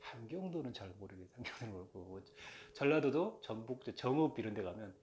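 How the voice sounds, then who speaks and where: A man's voice: medium pitch, lively intonation, fast talker, a little mellow, slight background noise. Rambling, chatty man lecturing casually. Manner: rambling and chatty, with many fillers and self-aware jokes; playfully mimics regional dialects. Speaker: channel host talking about folk religion.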